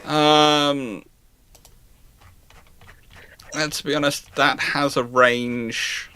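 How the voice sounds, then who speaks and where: A man's voice: a little high, steady tone, very slow, bright, forceful tone, clean tone. A man hosting a casual live discussion with technical commentary, emphatic and often repeating words as he thinks. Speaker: host of a live naval history discussion.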